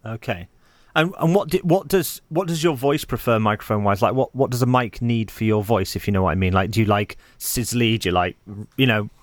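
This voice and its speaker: A man's voice: lowish voice, fairly quick. A man hosting a podcast, asking friendly, encouraging questions. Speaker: podcast host. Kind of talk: casual podcast chat and read ad.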